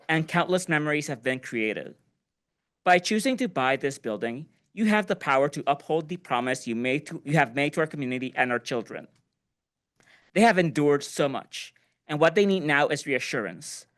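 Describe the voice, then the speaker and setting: A man's voice: a little high, a bit bright. A man reading out a translated public speech as an interpreter.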